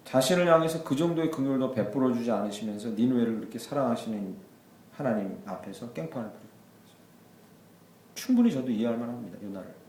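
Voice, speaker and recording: A man's voice: medium pitch, lively intonation, fast, a little mellow, roomy sound, a little hiss or hum. A male pastor preaching a sermon, telling the story with animation and acting out the characters' voices.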